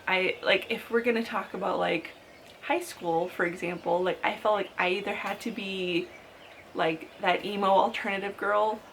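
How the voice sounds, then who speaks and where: A woman's voice: medium pitch, fairly bright tone, a little hiss or hum. A woman of thirty talking to camera in a casual sit-down vlog, chatty and upbeat, full of "like" fillers. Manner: chatty, frequent "like" fillers, upbeat with light laughs. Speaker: lifestyle vlogger.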